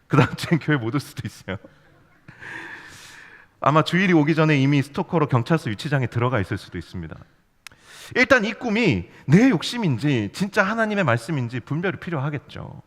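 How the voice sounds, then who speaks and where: Brisk and very animated, a youth pastor with a fairly high voice preaches with frequent pauses. He weaves playful stories and rhetorical questions to the congregation into the sermon. The church sanctuary gives a long hall reverb.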